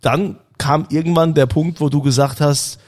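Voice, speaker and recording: A man's voice: on the high side, steady tone, moderate pace, darkish tone. A man co-hosting a casual wine-bar talk, interviewing in a friendly, hesitant way with fillers. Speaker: podcast co-host. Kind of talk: casual chat.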